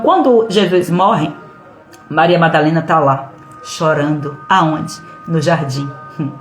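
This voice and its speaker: A middle-aged Brazilian woman preaches with a lively, expressive delivery in a livestream sermon. She acts out the voices of the people she quotes. The sound is roomy, with faint music underneath. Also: low voice. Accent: Brazilian Portuguese. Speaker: pastor.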